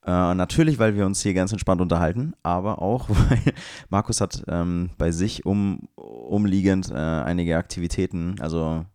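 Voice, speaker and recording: A man from Germany co-hosts a relaxed podcast, chatting in a slangy, easygoing way and laughing often. His voice sits on the low side. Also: normal speed, clear, resonant tone, no room sound, clean studio sound. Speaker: podcast co-host. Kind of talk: casual podcast chat. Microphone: remote recording setup.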